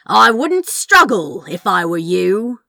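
A woman's voice: medium pitch, very animated, takes it slowly, gravelly, bright, forceful tone, dry recording, exaggerated voice. A woman voicing a wry, vengeful male sorcerer in a fantasy story reading. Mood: taunting, menacing. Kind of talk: expressive fan fiction character reading.

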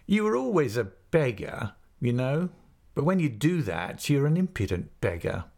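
Man playing an insolent, haughty schoolboy, lively pitch. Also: vocal fry. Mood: scornful. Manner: cool, contemptuous, drawn-out retorts. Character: insolent upper-class schoolboy, cool, haughty, sneering male bully.

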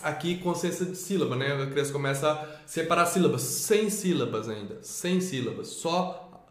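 Male presenter, higher pitch, echoey room; patient step-by-step explainer. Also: moderate pace. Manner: explains step by step, asks rhetorical questions. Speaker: teacher presenting a literacy method. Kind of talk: explanatory online lesson.

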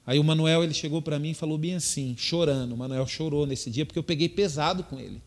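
An older pastor gives a sermon as a long testimony. His voice sits a little high for a man, and he talks to the congregation directly, repeating phrases as he goes. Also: fast. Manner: storytelling, addresses the congregation as dear ones, repeats himself.

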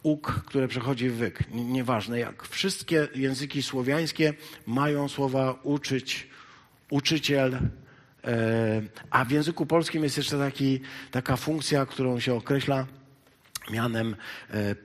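A man preaching a sermon, shifting between loud, emphatic exhortation and quiet, halting asides full of hesitations. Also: medium pitch. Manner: halting, with many hesitation fillers.

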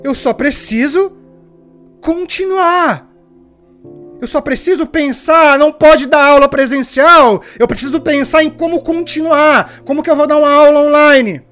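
Woman preaching with lively storytelling. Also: high voice, measured pace, soft background music. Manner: lively storytelling, asks rhetorical questions. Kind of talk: sermon.

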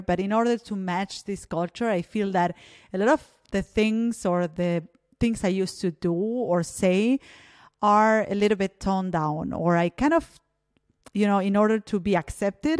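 A woman's voice: medium pitch, darkish tone, dry recording. Reflective woman from Argentina, dry sound. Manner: reflective, many fillers like "you know" and "like". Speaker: podcast host. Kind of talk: casual interview chat. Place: Berlin.

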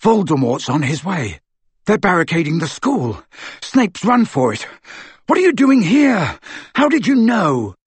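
A man's voice: high-pitched, sing-song, a little slow, husky, dry recording, voice pushed up, full character voice. A man reading an urgent teenage boy.

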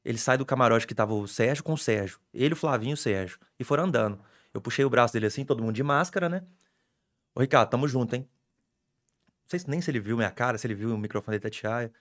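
A young adult man, a sports reporter telling stories in an excitable, animated way on a casual podcast. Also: mid-range voice, racing.

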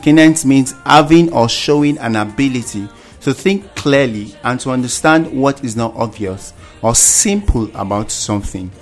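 A man explains new words on a children's radio program in a voice of ordinary pitch. His delivery is steady and explanatory, like a patient teacher. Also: moderate pace, soft background music. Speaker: radio show co-presenter. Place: radio studio.

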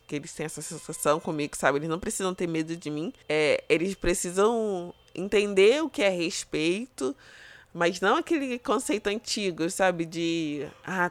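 A woman's voice: lowish voice, dry recording. A woman chatting on a podcast, telling a personal story with many casual fillers.

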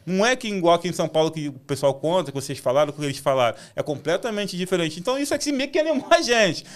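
A man's voice: high-pitched, sing-song, very fast. A man from Rio de Janeiro with a carioca accent and tongue-tied, slushy articulation, telling stories as a driver in slangy casual chat. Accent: Rio de Janeiro Portuguese. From Rio de Janeiro, Brazil. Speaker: ride-hailing driver, guest.

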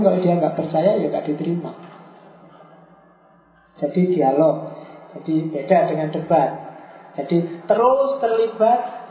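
A man giving a lecture. He poses his own questions, answers them, and drops English phrases into his talk. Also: high-pitched. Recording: tinny, phone-like and echoey.

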